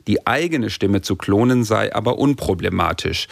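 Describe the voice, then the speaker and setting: A man's voice: lowish voice, expressive, normal speed, gravelly, no echo. A man reporting a radio news feature in a plain, matter-of-fact, lightly wry way.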